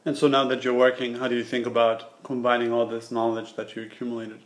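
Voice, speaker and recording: A man's voice: medium pitch, flat delivery, fast, roomy sound. A man interviewing a guest, asking short questions with a few fillers. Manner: asks brief questions with fillers.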